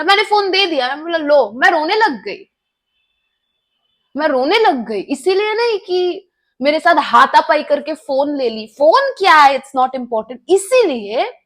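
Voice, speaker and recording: Young woman vlogger, high voice, heated storytime delivery, mixes in English and swearing. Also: a bit bright. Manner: emotional, code-switching into English, swears. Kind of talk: storytime vlog.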